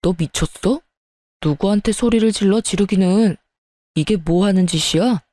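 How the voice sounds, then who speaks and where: A woman's voice: medium pitch, moderate pace, dark tone, no echo, close to an everyday voice. A woman voicing a selfish, hot-tempered young husband in a read-aloud story, blustering and stammering when flustered. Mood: dismissive.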